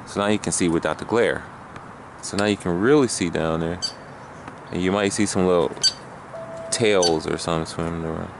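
A man with a low, gravelly voice patiently talks a companion through fishing from his kayak. The sound comes from a head-mounted camera outdoors, with plenty of noise around him. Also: moderate pace, long pauses. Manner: patient, coaching. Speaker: angler teaching a companion to fish. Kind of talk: casual outdoor chat. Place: kayak on a reedy lake outdoors. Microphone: head-mounted action camera. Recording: noisy outdoor camera audio.

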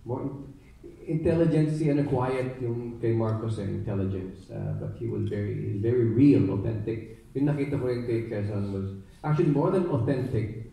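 A Filipino actor at a press conference, answering thoughtfully in mixed English and Tagalog with many fillers. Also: male voice, medium pitch, expressive, brisk, vocal fry, warm tone. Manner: reflective, many fillers and restarts. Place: large theater stage. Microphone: handheld mic heard through hall speakers. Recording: echoey hall from far off.

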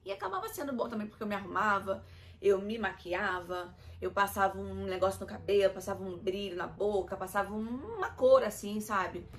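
A woman's voice: medium pitch, animated, fairly quick, slight background noise. A young adult woman with a Brazilian Portuguese accent, talking candidly and emotionally to her viewers in a personal vlog. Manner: emotional, confiding, addresses viewers as "gente". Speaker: vlogger.

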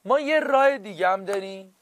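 A male teacher giving a classroom grammar lesson, stretching key words out slowly for emphasis and checking often that students follow. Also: high voice, expressive, fairly bright tone, slight background noise.

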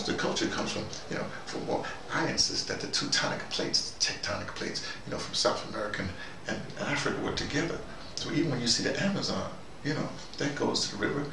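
A man's voice: medium pitch, vocal fry. A man playing an easygoing, opinionated intellectual character, rambling and digressing animatedly in a casual monologue. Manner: digressive, animated, argumentative, punctuated with "you know". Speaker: vlogger in character. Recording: distant mic, echoey room, loud background noise.

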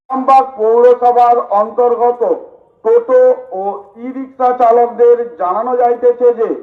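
A man reading a formal scripted public announcement in a PA system manner. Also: very high voice. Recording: echoey, slightly muffled PA recording.

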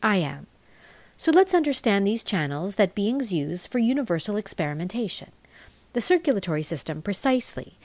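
Woman reading scripted narration, lively intonation. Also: mid-range voice, no echo. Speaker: voice-over reader. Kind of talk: scripted narration of a spiritual explainer, read aloud.

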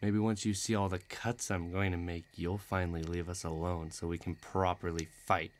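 A man's voice: sits low, level tone, moderate pace, slight background noise, lightly acted. A man playing a menacing, bloodthirsty villain who taunts and threatens in an audio roleplay. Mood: threatening, sneering. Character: menacing bloodthirsty male villain craving a duel.

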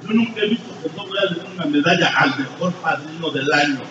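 An older man with a Mexican accent giving blunt, crude testimony at a recovery group meeting, going from low murmurs to loud shouts. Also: quick pace. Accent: Mexican Spanish. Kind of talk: blunt, profane confessional testimony. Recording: distant, echoey, dull-sounding room recording with noise.

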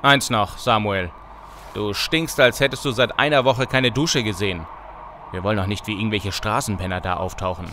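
Ein Mann spielt in einem deutschen Hörspiel einen gebieterischen, besonnenen Straßengangboss, der im Slang Befehle gibt. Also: male voice, lowish voice, moderate pace, bright, forceful tone, slight background noise. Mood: blunt, generous. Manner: authoritative, slangy, giving orders. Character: commanding Brooklyn street gang leader, male, urging prudence. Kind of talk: German audio drama acting.

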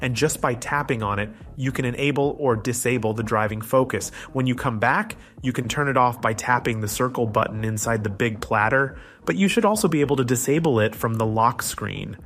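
A man with a medium-pitched voice narrates a tutorial. He explains things methodically, one step after another, as a scripted presenter would. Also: fairly quick, few pauses, a bit bright.

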